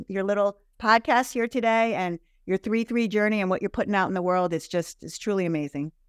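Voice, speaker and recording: This woman has an unremarkable speaking voice at medium pitch, recorded very clean with a silent background and a dry, close sound with no echo. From Spain, moved to the US at about age 12. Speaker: fitness business owner in addiction recovery. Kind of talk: interview testimony.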